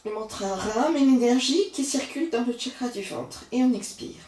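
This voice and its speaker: A woman yoga teacher giving slow, calm guided cues through a breathing and posture practice. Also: a little high, echoey room, distant mic.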